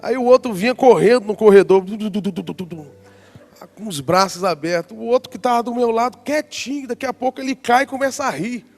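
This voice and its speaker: A man in his forties giving a lively storytelling testimony at a conference, acting out the voices of people in his story. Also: very high voice, fast talker, hardly any pauses, in a large hall, soft background music. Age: 40s. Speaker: worship leader giving a testimony.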